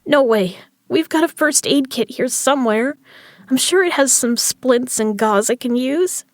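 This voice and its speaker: A woman's voice: sits high, expressive, unhurried, no echo, clean studio sound. A woman acting a stubborn, injured gambler in an audio drama, strained but defiant.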